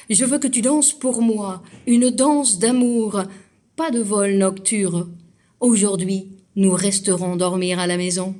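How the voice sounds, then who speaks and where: Female poetry reader, mid pitch, very unhurried, deliberate phrasing, literary and dramatic delivery. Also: dark tone. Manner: measured, deliberate phrasing with pauses.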